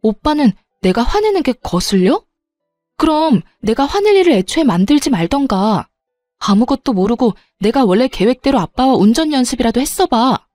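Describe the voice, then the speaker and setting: A woman's voice: on the high side, sing-song, moderate pace, no room sound, faint music behind. Woman playing an angry young bride-to-be. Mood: heated. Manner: sharp, heated.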